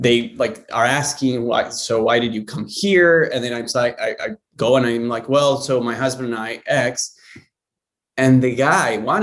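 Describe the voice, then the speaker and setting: A man with a Spanish accent, medium pitch, ordinary pitch variation and a fairly slow pace. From Argentina. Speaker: panelist in LGBTQ tech event. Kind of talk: panel discussion.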